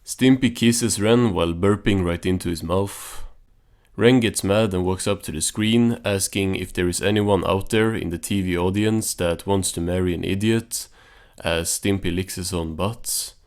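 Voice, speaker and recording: A man's voice: low-pitched, a little slow, darkish tone. A man recapping a cartoon as host, in a casual, understated, offhand way.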